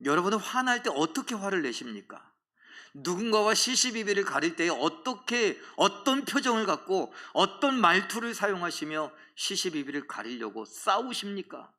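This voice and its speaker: A male pastor preaching a sermon in a bright, forceful voice that sits a little high for a man. He swings from hushed, almost whispered lines to loud, ringing exhortation. He keeps asking the congregation questions and acts out a prophet's angry outburst. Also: sing-song, moderate pace. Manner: acts out Jonah's angry complaint to God.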